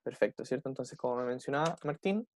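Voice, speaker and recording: A man with a Chilean Spanish accent teaching an online English class, patiently repeating example sentences slowly and checking in with short tag questions. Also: mid-range voice.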